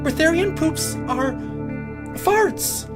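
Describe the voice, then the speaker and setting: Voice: sits high, lively intonation, slow pace, loud music behind the voice, voice pushed up. A narrator voicing an earnest, friendly insect-like changeling in a comic story. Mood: reassuring.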